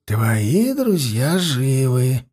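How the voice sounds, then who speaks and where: A man voicing a calm, scheming old male high priest who speaks with soft, measured insistence. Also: exaggerated voice.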